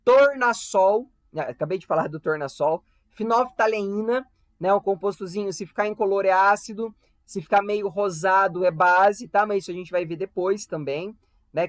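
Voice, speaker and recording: A man's voice: high voice, no echo. Chatty young Brazilian man tutoring online. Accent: Brazilian Portuguese. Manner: chatty, frequent tag questions, playful asides. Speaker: volunteer chemistry tutor. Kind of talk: casual online class.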